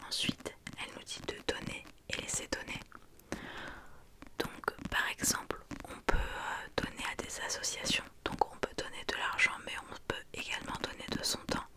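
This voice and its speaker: A woman talks in a soft, unvoiced library whisper, explaining hesitantly with pauses in an ASMR book talk. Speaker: ASMR creator.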